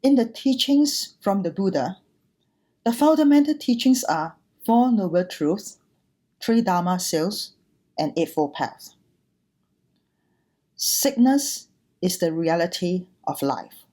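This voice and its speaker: Slow, mellow woman giving a dharma talk. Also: on the low side, lively intonation. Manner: measured, deliberate phrasing. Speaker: Buddhist nun and temple director giving a dharma talk. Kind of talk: prepared dharma talk addressed to viewers.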